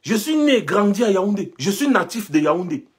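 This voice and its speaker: A man's voice: high-pitched, sing-song, moderate pace, husky. A young man from Cameroon giving an impassioned monologue, rhetorical and insistent, repeating his points. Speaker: commentator.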